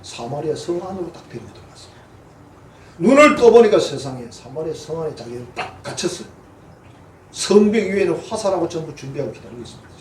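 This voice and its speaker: Gyeongsang pastor preaching in an echoey church. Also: male voice, fairly high pitch, very animated, quick pace, slight background noise. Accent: Gyeongsang Korean. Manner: folksy, humorous, acts out quoted voices. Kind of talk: sermon. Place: church sanctuary. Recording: echoey church hall, mic at a distance.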